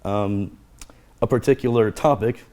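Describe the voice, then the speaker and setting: A man with a low, soft-edged voice talks through ideas as a guest therapist. He explains earnestly and circles back to repeat the phrases he wants to stick. His delivery is conversational and steady. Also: measured pace.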